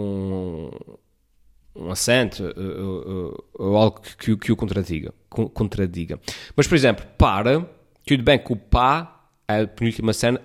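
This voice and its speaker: A man with a European Portuguese accent, ranting to his viewers in a casual, rambling and sarcastic way, often restarting his sentences. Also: fairly low pitch. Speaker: vlogger. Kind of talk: casual talk to camera.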